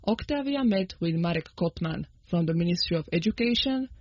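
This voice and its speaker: Low-voiced woman radio presenter. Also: animated, fairly quick, darkish tone, dry recording. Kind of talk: scripted radio announcement. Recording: dry, dull lo-fi radio sound.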